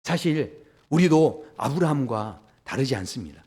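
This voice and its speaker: A male pastor preaching a sermon, asking the congregation questions and swinging between loud emphasis and hushed low lines. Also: fairly quick. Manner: lively, asks the congregation questions.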